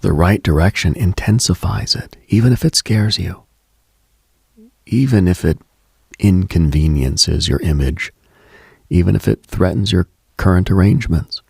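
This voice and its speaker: Late-night radio host, male, very husky with gravelly fry, contemplative, halting delivery, intimate reflective monologue. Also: low voice, a little mellow, dry recording. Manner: slow, contemplative, halting with pauses.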